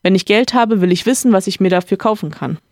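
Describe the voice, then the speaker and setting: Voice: mid-range voice, quick pace, no echo, clean studio sound, lightly acted. A podcaster reading a novel aloud, voicing an agitated, protesting cavalry captain who stammers in a raised voice. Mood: indignant flustered. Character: indignant cavalry captain, flustered older man.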